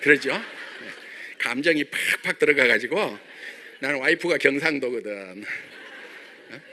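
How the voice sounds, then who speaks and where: Animated, bright-voiced middle-aged man speaking. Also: mid-range voice, unhurried. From Jeolla, South Korea. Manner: animated, joking, peppered with rhetorical questions. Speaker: company chairman addressing members. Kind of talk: motivational stage speech.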